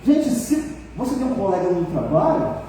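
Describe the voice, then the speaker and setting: An older pastor with a Brazilian accent delivers a folksy, teasing sermon and keeps asking the congregation to answer him. His voice sits high yet sounds mellow. It reaches the mic from far off through a long, echoing hall with faint noise behind. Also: very animated, moderate pace. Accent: Brazilian Portuguese. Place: church hall.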